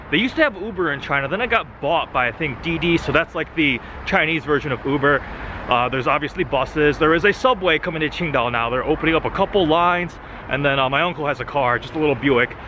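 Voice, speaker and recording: This car vlogger from the United States is a young man who strolls outdoors on city streets and into shops, chatting casually as he points out cars. His voice sits on the high side. The handheld camera mic captures a noisy background.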